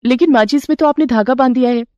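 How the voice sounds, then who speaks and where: A woman voicing a curious, eager young daughter-in-law in a cartoon story, asking excited, wondering questions. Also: high-pitched, quick pace, no echo, dull audio, voice pushed up, close to an everyday voice.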